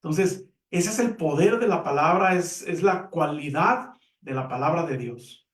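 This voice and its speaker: A man giving a calm, measured religious lesson, explaining with simple examples. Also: fairly high pitch. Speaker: Catholic teacher on a program. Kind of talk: reflective religious teaching. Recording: echoey room, mic at a distance.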